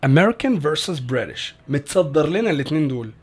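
Man, Egyptian Arabic accent, quick animated talk, restarts and repeated words, fairly high voice. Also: breathy edge. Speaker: English pronunciation teacher, guest. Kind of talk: casual podcast conversation.

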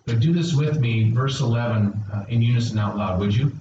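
A man's voice: mid-range voice, a little fast, dark tone, a little hiss or hum. A male pastor's sermon voice, heard from far back in a very echoey church hall on a dull, muffled recording. He keeps the congregation involved, tossing them questions and asking for replies. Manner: engaging, questions the congregation and calls for responses. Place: church sanctuary.

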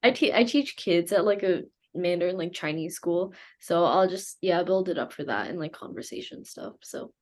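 A woman's voice: fairly low pitch, moderate pace, hardly any pauses, a little mellow. A young woman guest on a podcast, talking from her bedroom in a rambling, hesitant way with frequent laughs. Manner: rambling, hesitant, lots of fillers and restarts, laughs often. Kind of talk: casual chat.

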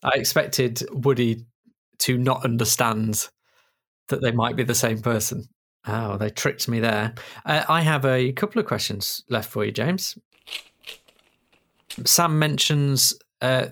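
A man's voice: mid-range voice, slow, a bit bright. A man co-hosting a podcast, chatting casually and asking quiz questions with dry, wry jokes. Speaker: podcast co-host.

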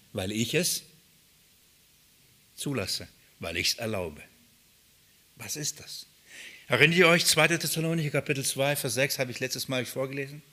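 A man's voice: mid-range voice, sharp tone. A man preaching an expository sermon, asking rhetorical questions and pressing his points with emphatic, searching delivery.

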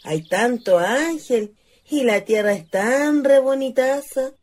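An actress playing a chatty, wistful old spinster ghost in a radio play, with a rural Chilean accent and a folksy, exclaiming way of talking. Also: female voice, high voice, expressive, slow pace, darkish tone, exaggerated voice. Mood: wistful, eager. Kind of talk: stage-style radio play acting.

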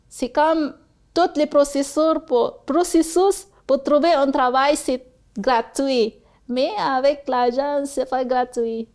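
A woman in her forties from the Philippines with a Filipino accent, whose first language is Bisaya, answering interview questions haltingly and searching for her words. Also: sits high, a little mellow. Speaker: interview guest. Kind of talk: casual interview.

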